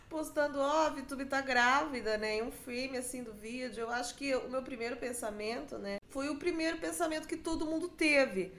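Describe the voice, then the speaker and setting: A woman's voice: high voice, fairly bright tone, reverberant. A Brazilian woman hosting a podcast alone, chatting casually and mockingly with frequent laughs. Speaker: podcast host. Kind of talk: casual gossip monologue. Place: room at home.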